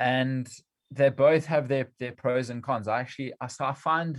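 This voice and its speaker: With an unremarkable speaking voice, a man talks at a medium pitch with fairly even intonation on a very clean recording with a silent background. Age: 30s. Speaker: amateur runner. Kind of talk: casual chat.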